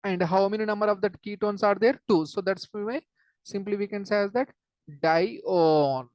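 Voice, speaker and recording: A woman's voice: mid-range voice, moderate pace, darkish tone, no room sound. A woman with a South Asian accent teaching informally as a chemistry teacher, explaining step by step, repeating phrases and checking understanding with short questions.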